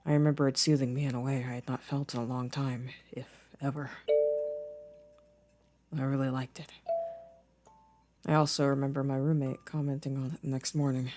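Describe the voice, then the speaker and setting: A man playing a gentle, introspective boyfriend in an intimate ASMR roleplay, soft-spoken with careful, formal wording. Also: medium pitch, little pitch movement, normal speed, long pauses, music in the background, lightly acted. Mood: wistful, reflective. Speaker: audio roleplay voice actor.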